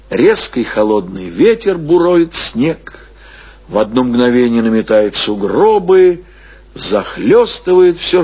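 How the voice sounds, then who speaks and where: A man reading classic prose as a narrator, in an expressive, deliberate storytelling style with drawn-out phrases. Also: medium pitch, slightly rough, lo-fi sound. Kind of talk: scripted literary narration, audiobook or radio reading.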